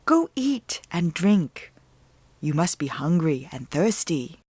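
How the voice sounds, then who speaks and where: A woman's voice: low voice, very animated, slow pace, a little mellow, husky, no room sound, full character voice. A woman voicing an evil man who poses as a sweet, ailing old grandmother in a storybook reading, with a coaxing elderly lilt. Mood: sweetly coaxing.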